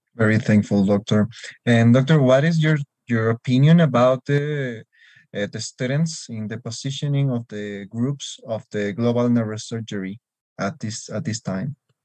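At a moderate pace, a man with a Spanish accent and a medium pitch speaks with ordinary pitch variation, in dry sound with no echo against a quiet background. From Peru. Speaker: student society president, moderator; moderator. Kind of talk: moderating online Q&A. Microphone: video call.

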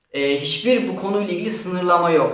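A man speaks with audible room echo around him. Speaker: channel host on myth. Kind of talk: explanatory talk to camera. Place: home room.

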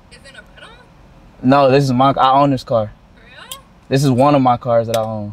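A man with an American accent speaks at a medium pitch in a monotone, flat intonation. He takes long, frequent pauses, and there is noticeable background noise. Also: moderate pace. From Texas (Abilene). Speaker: prank YouTuber. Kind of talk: street prank chat.

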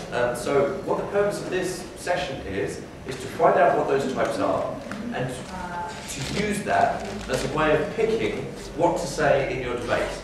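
Strong room echo and noticeable background noise around a man's voice. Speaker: debate coach lecturer. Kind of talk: lecture. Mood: light, humorous. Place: hall. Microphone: camera far.

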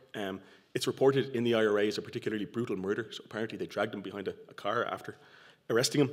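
A man talks very fast in an Irish accent, with ordinary pitch variation. The background is quiet. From Ireland. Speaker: historian. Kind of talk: lecture. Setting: stage with audience. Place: hall.

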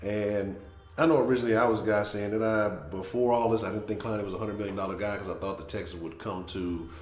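A man at a very fast pace, with light background noise and audible room echo. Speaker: sports show host. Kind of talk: casual sports commentary.

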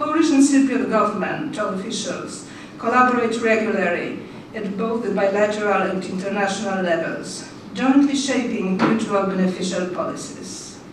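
Over light background noise and some room echo, a woman with a fairly high voice talks at a moderate pace with ordinary pitch movement. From Poland. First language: Polish. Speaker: ambassador. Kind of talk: formal speech. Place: hall.

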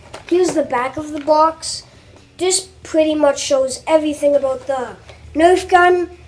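Over noticeable background noise, a woman with a high pitch speaks at a fairly slow pace with ordinary pitch variation. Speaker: toy blaster reviewer. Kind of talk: product review. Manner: halting; casual.

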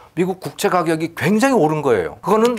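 Speaking fairly quickly, a man with a high pitch uses lively intonation. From South Korea. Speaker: economics professor and commentator. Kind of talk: interview explaining economics. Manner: explanatory, conversational. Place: studio. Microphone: lapel.

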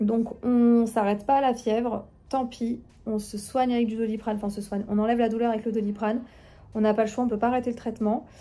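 A woman at a very fast pace, fairly high in pitch, dark and mellow in tone, with monotone, flat intonation. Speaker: vlogger undergoing chemotherapy; vlogger. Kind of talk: casual vlog to camera. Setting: outdoors. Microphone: phone near.

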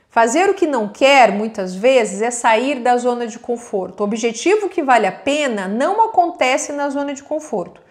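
A woman's high voice, lively in intonation, with big swings in loudness, hardly any pauses, a moderate pace and a quiet background. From Brazil. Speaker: psychologist. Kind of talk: advice monologue to camera. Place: office. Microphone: lapel.

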